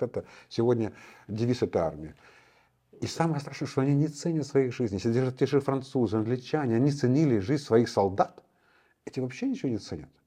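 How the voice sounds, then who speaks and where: A man's medium-pitched voice with lively intonation, a dark, mellow tone and a moderate pace. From Ukraine, Kharkiv. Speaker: IT businessman and charity activist. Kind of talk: interview.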